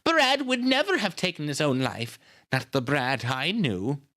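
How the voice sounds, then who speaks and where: A man's voice: on the high side, very animated, unhurried, pushed and bright, voice pushed up, full character voice. A man voicing a grieving, earnest young woman from a storybook, emotional and pleading. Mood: tearful.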